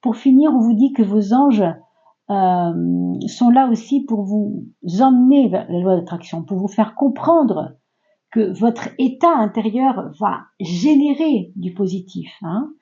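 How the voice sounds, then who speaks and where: A woman reads tarot for her audience in a relaxed, reassuring way, full of small fillers and asides. Her voice is very mellow and warm. The recording sounds a little dull and lo-fi. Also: mid-range voice, slow. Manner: chatty, reassuring, many fillers and "hein". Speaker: tarot reader. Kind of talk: casual tarot reading for viewers.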